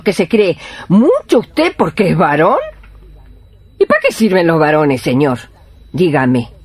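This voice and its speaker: A woman's voice: on the low side, breathy edge, dry recording, full character voice. A woman playing a bossy, tender old village healer with an Argentine accent and a folksy, scolding way of talking, in a radio drama. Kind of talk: Spanish-language radio drama acting.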